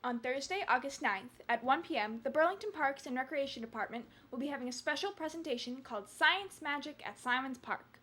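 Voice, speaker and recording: A woman's voice: high-pitched, expressive, a little fast, hardly any pauses, pushed and bright. A woman reading scripted community calendar announcements. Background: music.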